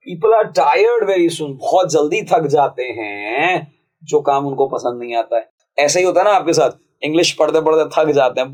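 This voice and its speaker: A man teaching English grammar for exam prep, reading sentences slowly and explaining them in a casual, chatty way. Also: fairly high pitch, rough recording. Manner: casual, chatty, calls viewers friends and brother.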